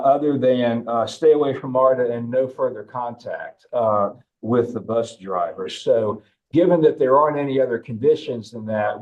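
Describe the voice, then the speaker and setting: A man's voice: medium pitch, a little mellow, rough recording. A man speaking as a defense attorney in court, making his points formally in a hesitant, deferential way.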